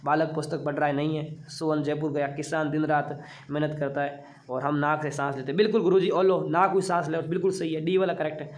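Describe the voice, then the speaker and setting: Man, exam-prep teacher, playful and teasing, slightly high voice. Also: little pitch movement, fairly quick. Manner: playful and chatty, teasing students. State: unwell. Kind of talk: online exam-prep class.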